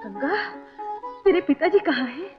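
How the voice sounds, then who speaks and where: An actress playing a gentle mother in a 1960s Hindi film, speaking slowly and tenderly. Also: high-pitched, lively intonation. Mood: tearful joy. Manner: slow, tender speech. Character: gentle mother longing for her lost daughter. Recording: dull old film soundtrack with loud music.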